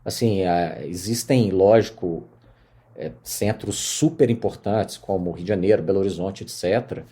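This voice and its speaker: A middle-aged man from Minas Gerais with a Mineiro accent, telling his career story as a podcast guest in lively casual conversation. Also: low voice, moderate pace. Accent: Mineiro Portuguese. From Minas Gerais, Brazil. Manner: animated storyteller, many fillers.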